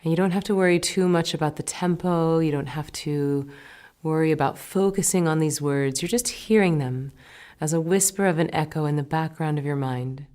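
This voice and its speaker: Woman meditation teacher, low-pitched, calm guiding delivery with gentle whispered cues. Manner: slow, soothing, gentle instructions with soft whispered words. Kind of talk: guided meditation.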